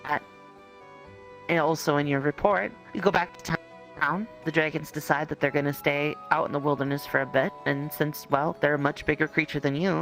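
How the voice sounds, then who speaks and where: A game master improvising second-person roleplay narration in a conversational, halting way. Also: mid-range voice, a bit bright, rough recording. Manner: conversational, halting storytelling with hedges.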